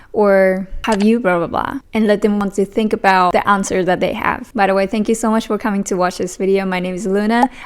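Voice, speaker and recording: Fairly quick and with hardly any pauses, the speech comes in a Japanese accent with fairly even intonation. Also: woman, medium pitch for a woman. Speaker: content creator and dancer. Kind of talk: tutorial.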